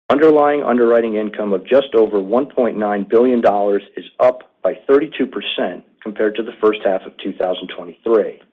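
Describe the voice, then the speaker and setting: A man's voice: on the low side, husky. Man reading financial results on a tinny phone line. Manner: formal, measured delivery of figures. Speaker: company finance executive. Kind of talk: scripted financial presentation on an earnings call. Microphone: conference call line.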